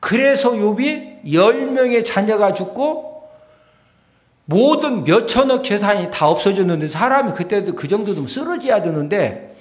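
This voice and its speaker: A male pastor giving a lively sermon in a church, often prodding his congregation for a response. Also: high voice, a little slow. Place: church sanctuary. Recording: echoey church hall.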